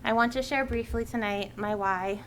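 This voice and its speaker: A woman's voice: a little high, fairly even intonation, moderate pace, a little hiss or hum, poor audio. A woman serving as school committee chair, reading a prepared, earnest statement at a public meeting.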